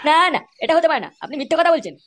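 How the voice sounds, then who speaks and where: A man voicing an indignant, flustered father in a comedy cartoon, protesting in a pitched-up voice. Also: very animated, rapid-fire. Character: indignant father defending his rascal son in comedy cartoon.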